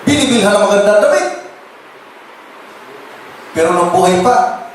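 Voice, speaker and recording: A man's voice: high-pitched, lively intonation, a little slow. A male pastor gives a humorous sermon, joking with the congregation, laughing often, and dropping English words into his talk. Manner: jokes with the crowd and laughs often; keeps addressing the listeners as brothers and sisters. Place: church. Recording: very echoey church from a distance, noisy.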